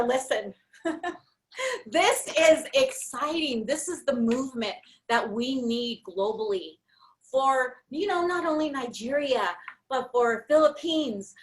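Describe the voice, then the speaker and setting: A woman giving a loud, bubbly pep talk to people on a call, gushing and repeating herself. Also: sits high, poor audio. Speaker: guest speaker, network member. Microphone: call audio.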